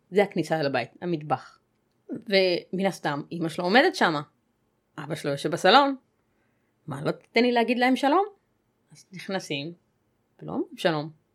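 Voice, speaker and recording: Fairly low in pitch, a woman's voice shows very wide pitch swings and big swings in loudness. She leaves long, frequent pauses. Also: moderate pace. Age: 30s. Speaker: abuse survivor. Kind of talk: testimony.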